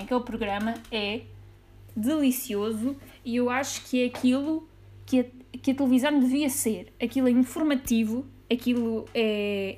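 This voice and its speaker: A woman with a European Portuguese accent hosting a casual solo podcast. She is chatty and playful and laughs easily at her own jokes. Her voice sits a little high. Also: a little mellow. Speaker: podcast host.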